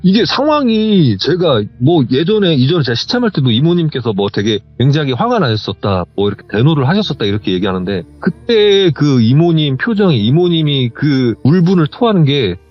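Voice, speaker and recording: A man telling his story over the phone, in a husky voice whose pitch swings widely as he animates the scene. The line sounds dull and muffled, with faint music underneath. He keeps acting out what the people in it said. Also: a little fast, few pauses. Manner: animated, acts out quoted dialogue.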